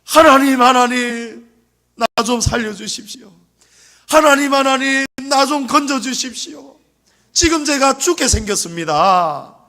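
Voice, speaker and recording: A man's voice: sits high, very animated, moderate pace, fairly bright tone, big-room sound, heavily acted. A male pastor acting out a desperate man in the middle of a sermon, crying out and begging God to save him. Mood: pleading. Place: church sanctuary.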